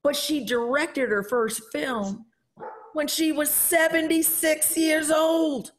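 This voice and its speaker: A middle-aged woman hosting a casual video call chat from home, lively and exclamatory, calling out to guests directly. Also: high voice, slow, a little hiss or hum, rough recording. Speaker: host. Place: home room with bookshelves.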